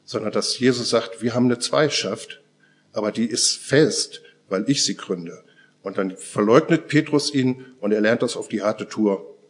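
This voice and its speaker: A man preaching a sermon in a church service, earnest and deliberate, often sinking to a hushed near-murmur. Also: on the low side.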